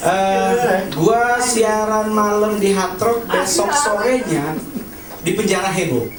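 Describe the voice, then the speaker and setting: On the stage of a comedy cafe, an Indonesian man does an open-mic set in a high-pitched, slow voice, confessional in tone, repeating "honestly" and imitating what others said. The capture is distant and echoey, with the crowd laughing loudly.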